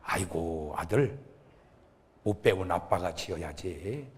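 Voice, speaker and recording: Give me a gentle, humble old rural father with a low voice, as a preacher plays him. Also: lively intonation, slow pace. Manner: low, gentle, self-deprecating. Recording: reverberant hall.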